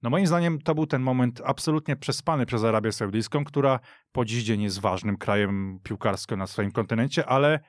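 A man recounts football history on a studio radio show, lively and emphatic, landing firm judgments. His voice sits in an ordinary middle register. The sound is close and dry, with no room echo. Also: mid-range voice, brisk, hardly any pauses. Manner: animated storytelling with emphatic verdicts. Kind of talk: studio podcast discussion.

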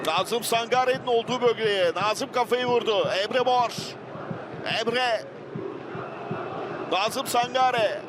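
High-pitched excited football commentator, man. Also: slow pace, pauses often. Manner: excited, shouts out goals. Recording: loud stadium crowd noise. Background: roaring football stadium crowd.

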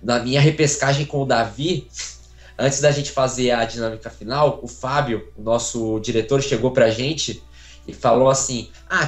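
A young Brazilian man speaks casually from a small room at home over a phone video call, his voice carrying a roomy echo. He talks in a warm, grateful way, rambling with lots of fillers and restarts, at a mid pitch. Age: young adult. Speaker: interviewee, voice acting contestant. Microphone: phone camera, video call.

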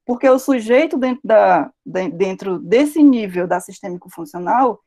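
A woman's voice: on the high side, a little mellow. A woman with a Brazilian Portuguese accent giving an academic lecture over a video call, explaining step by step and posing rhetorical questions. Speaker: university lecturer.

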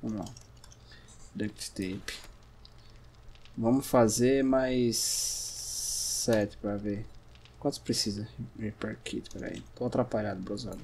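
A man from Brazil giving casual gameplay commentary, chatting to himself and his viewers, sometimes breaking into sudden shouts. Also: fairly low pitch, fairly even intonation, slow pace, long pauses, a little hiss or hum. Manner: chatty, talks to himself and the audience, bursts into shouts at scares. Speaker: gameplay streamer.

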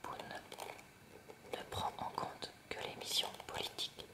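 A woman reading a school lesson aloud in a soft, unvoiced ASMR whisper, slow and careful. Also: distant mic. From France. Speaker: ASMR creator. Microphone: close mic near hairbrush on a table.

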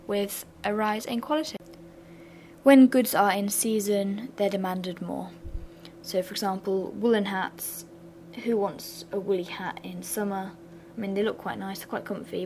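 Slightly raspy young woman, bored-sounding lesson. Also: mid-range voice, a little hiss or hum. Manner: flat, bored-sounding delivery with asides. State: slightly raspy from sore throat. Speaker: revision channel host. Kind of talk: casual revision lesson voice-over.

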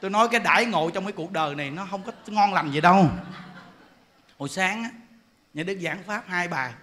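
A man's voice: high voice, brisk, bright, forceful tone. A man in his forties with a Southern Vietnamese accent, a monk giving a humorous Buddhist sermon, chatty, laughing often and firing rhetorical questions at his listeners. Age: 40s. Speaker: monk giving a Dharma talk.

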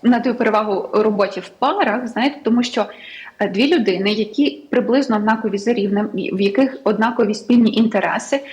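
A woman's voice: on the high side, quick pace, darkish tone, muffled recording. A young woman from Ukraine, an English tutor, chatting as a guest in a studio talk show with many fillers. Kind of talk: casual studio interview.

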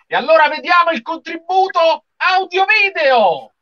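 A man's voice: very high voice, big pitch swings, a little slow, over loud music. A man, chattily hosting a casual livestream with enthusiasm. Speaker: live show host. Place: small indoor room with shelves of figurines. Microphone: video call. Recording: dull lo-fi video-call audio.

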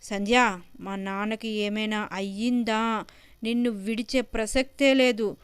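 An enraged grown son shouts and denounces his wife, his voice smooth and fairly high, as a woman voices him in a storybook. It is recorded close and dry. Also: moderate pace, no echo, natural voice. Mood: furious. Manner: furious shouting, then remorseful. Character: angry, grief-stricken grown son.

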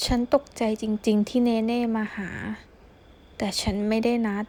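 A woman playing a guilty, tender young man who speaks softly and confidingly. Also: a little high, little pitch movement, moderate pace, close to an everyday voice. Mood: remorseful.

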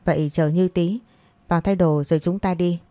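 A woman reading a soft-spoken young bride. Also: on the low side, steady tone, normal speed, dry recording, lightly acted. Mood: gentle. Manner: soft, polite replies.

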